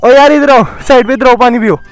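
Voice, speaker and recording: A man motovlogging outdoors by a road, talking excitedly to camera and laughing often. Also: very high voice, fast talker, dry recording, faint music behind. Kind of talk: casual outdoor vlog talk to camera.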